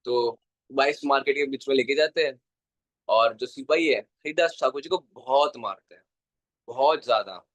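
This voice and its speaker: A man's voice: medium pitch, a bit bright, dry recording. Earnest man with a dry voice. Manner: earnest, repeats phrases for emphasis, mixes in English words. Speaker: devotional storyteller. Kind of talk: Hindi devotional story talk.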